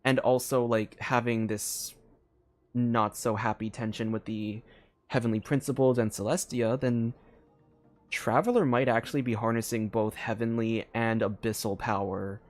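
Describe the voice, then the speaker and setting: A man's voice: medium pitch, steady tone, normal speed. Casual young male game streamer, thinking aloud. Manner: rambling, thinking aloud, filler-heavy. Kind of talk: casual live commentary on a game.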